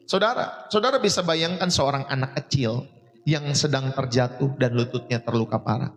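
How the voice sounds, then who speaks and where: Pastor, male, 30s, emphatic sermon delivery with sudden high peaks; long hall reverb. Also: normal speed.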